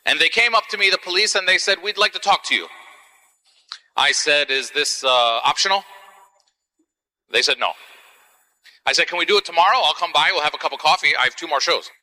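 A man from Palestine hosting a live event, telling a stand-up story in an animated, wry, punchy way. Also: fairly quick, pauses often. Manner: animated, wry, punchy delivery with swings in pitch. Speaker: comedian and event host. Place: large church hall. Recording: live hall with long reverb.

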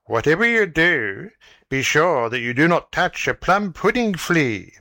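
A man's voice: fairly high pitch, very animated, unhurried, pushed and bright, dry recording, heavily acted. A man voicing earnest old geese in a storybook reading, close to his own voice.

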